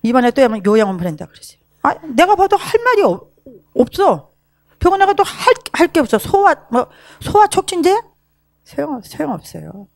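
A woman in her sixties giving a personal recovery testimony to a group, telling her story in an emotional, animated way. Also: high voice, fairly quick, gravelly, no echo, clean studio sound. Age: 60s. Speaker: program participant giving a testimony.

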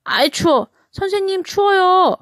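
A woman's voice: extremely high pitch, lively intonation, unhurried, a bit bright, no echo, studio quality, voice pushed up, full character voice. A woman voicing a cheerful little boy penguin chick in a children's storybook reading. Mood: excited. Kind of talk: storybook character voice.

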